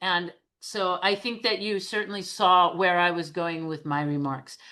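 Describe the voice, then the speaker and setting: With a quiet background, a woman speaks at a fairly low pitch in a bright, sharp tone. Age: old. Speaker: English teaching lecturer. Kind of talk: online teacher training session.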